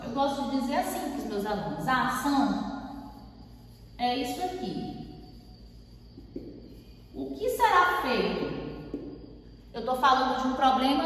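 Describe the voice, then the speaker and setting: A Brazilian woman teaches a writing lesson, asking questions and then answering them in a clear, didactic way. Her voice sits a little high. The recording rings with long reverb, and she sounds some distance from the mic. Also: fairly bright tone. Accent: Brazilian Portuguese. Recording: echoey room, voice far from mic.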